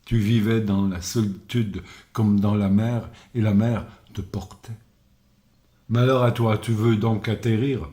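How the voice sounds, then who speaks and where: A grave old hermit living alone in the woods, as a male reader takes on his part. He speaks slowly in a low, mellow voice, and the room gives it a roomy echo. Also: steady tone, lightly acted. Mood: solemn.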